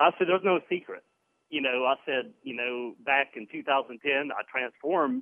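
A man talks at a moderate pace in an ordinary speaking voice with ordinary pitch variation. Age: 40s. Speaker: caller, former fitness program client. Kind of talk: testimony. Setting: phone call.

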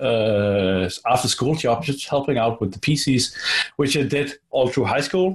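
A somewhat breathy man's voice at a medium pitch, with a Danish accent and lively intonation. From Denmark. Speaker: software consultant and author. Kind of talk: interview. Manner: halting, many repetitions.

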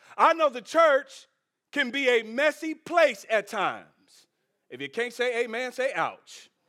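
An extremely high-pitched male voice, raised and projected, bright and sharp in tone, fairly slow, with ordinary pitch variation, big swings in loudness and a very clean recording against a silent background. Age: 30s. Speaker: pastor. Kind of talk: sermon. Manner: animated.

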